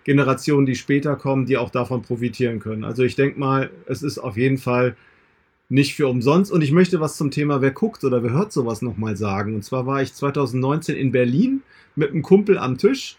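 Husky man in casual podcast talk. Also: mid-range voice, lively intonation, brisk, a little mellow. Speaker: interview guest and co-interviewer.

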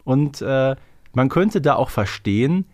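A man's voice: medium pitch, lively intonation, a little slow, darkish tone. A man chatting casually as a podcast host. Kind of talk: casual chat.

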